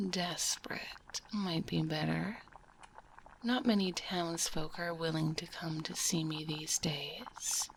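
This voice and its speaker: A woman voicing a kindly, gently teasing witch alchemist in a soft, breathy ASMR roleplay, close to a binaural microphone. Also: sits low, a little hiss or hum, heavily acted, poor audio. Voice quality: soft, breathy, half-whispered. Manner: unhurried, soothing, calls listener dear.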